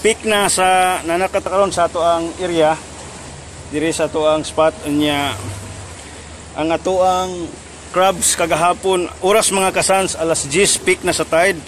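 A man's voice: sits high, steady tone, unhurried, long pauses, fairly bright tone, a little hiss or hum, low-quality recording. A man, talking casually to his viewers through a cloth mask outdoors by the shore and thanking God often. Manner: repeatedly addresses viewers, thankful and devout. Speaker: vlogger. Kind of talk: casual vlog talk.

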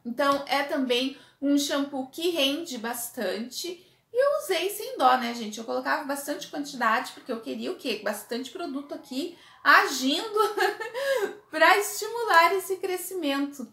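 A woman's voice: high voice, unhurried. A woman, chatting animatedly to camera as a beauty vlogger reviewing a product. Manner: chatty and animated, gestures a lot while talking. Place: small indoor room with makeup table. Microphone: camera at desk distance. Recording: echoey small room.

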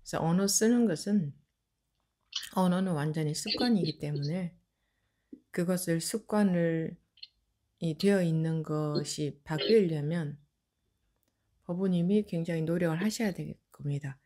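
A woman teaching as a Buddhist meditation teacher, answering a question calmly and explaining at length. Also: on the low side, unhurried, pauses often. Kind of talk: dharma Q&A answer.

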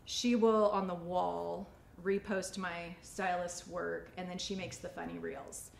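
A woman's voice: on the low side, little pitch movement, a little slow, creaky. A woman in her forties, a salon owner, talking casually and chattily as she teaches during a demonstration. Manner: chatty, informal. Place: indoor white-backdrop studio. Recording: echoey studio room, faint ambient noise.

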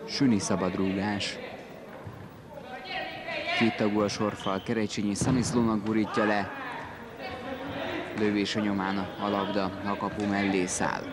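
A man's voice: on the low side, flat delivery, pauses often, over a noisy crowd. A man giving live match commentary on indoor football, terse and calling out players' names play by play. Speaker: sports commentator. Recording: noisy gym recording, ball bounces behind. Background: indoor sports hall with bouncing ball.

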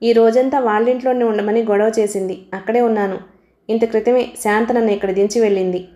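A composed, dignified woman lecturer, as a reader voices her, calm and reserved. Her voice is mellow and fairly high, in an audiobook novel. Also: a little fast, echoey room, lightly acted.

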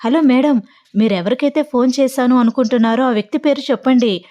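A man's voice: very high-pitched, brisk, mellow. A woman doing a flustered polite young man. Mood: exasperated. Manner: exasperated, insistently polite. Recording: dull lo-fi audio.

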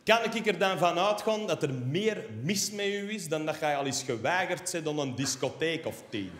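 This Flemish stand-up comic speaks at normal speed with a fairly high pitch, delivering an animated, sarcastic rant punctuated by a questioning "hè". The sound carries the roomy reverb of a live hall stage.

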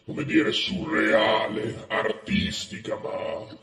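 A man voicing a smug, sly male devil who calls in from the underworld and talks calmly in a half-whisper, heard over a phone on speakerphone. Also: slow. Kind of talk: staged comic phone call on a web show. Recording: echoey speakerphone sound.

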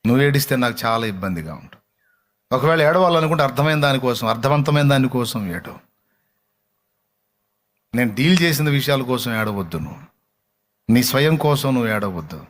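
A man's voice: mid-range voice, expressive, a little fast, long pauses. Impassioned preacher, man. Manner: impassioned, rising to near-shouting in exhortation. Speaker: pastor. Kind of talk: sermon.

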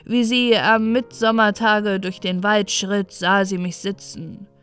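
A woman's voice: mid-range voice, little pitch movement, takes it slowly, a bit bright, smooth, faint music behind. A woman voicing a tiny enchanted male pond dwarf in an earnest, sing-song storybook manner. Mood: eager.

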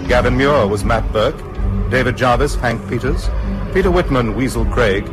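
A man's voice: medium pitch, normal speed, over music. A man reading scripted closing credits as a radio drama announcer. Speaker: continuity announcer.

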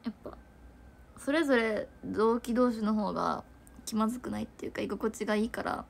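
A woman's voice: a little high, a little fast, gravelly. A young woman chatting casually to viewers on a livestream, giggling and rambling with lots of fillers. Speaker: idol livestreamer.

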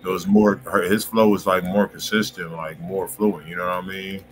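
A man's voice: low voice, flat delivery, normal speed, slight background noise. A man hosting a music review livestream in casual, slangy talk, swearing freely and repeating himself.

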